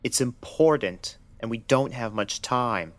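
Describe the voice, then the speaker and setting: A man voicing a stern, impatient pony doctor who questions in a flat, clinical, insistent manner in an audio story. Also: medium pitch, unhurried, no room sound, pitched above the performer's own voice, close to an everyday voice. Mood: urgent, insistent. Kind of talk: dramatic audio story acting.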